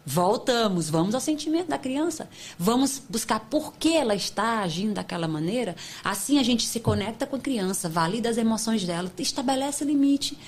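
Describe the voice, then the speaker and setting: A woman psychologist, a podcast guest, explaining in an emphatic, animated way with sudden high exclamations. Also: moderate pace, breathy edge. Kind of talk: podcast interview talk.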